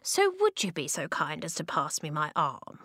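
A woman voicing a pompous, cranky man made of rocks in a children's audiobook, with a high, reedy, creaky voice and a tart, complaining manner. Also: wildly swooping pitch, normal speed, a bit bright, no echo, clean studio sound, heavily acted. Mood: exasperated. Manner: tart, snapping, haughty complaining.

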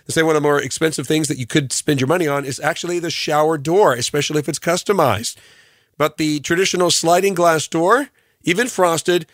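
A man hosting a morning radio show, his voice hoarse from allergies, rambling through tips with lots of ums and uhs. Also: mid-range voice, no echo, clean studio sound. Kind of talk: radio show recap, casual talk. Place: radio studio.

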